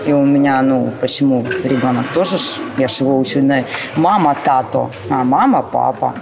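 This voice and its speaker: A woman's voice: extremely low pitch, moderate pace, gravelly, noisy background. A woman speaking bluntly as an interviewee. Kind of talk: candid interview.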